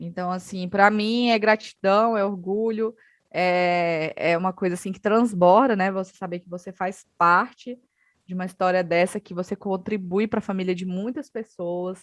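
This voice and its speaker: An ordinary speaking voice at a fairly slow pace, heard with a dry, close sound, no echo, and a quiet background. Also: woman, medium pitch for a woman. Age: 20s. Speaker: solar engineering business owner. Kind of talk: casual podcast interview.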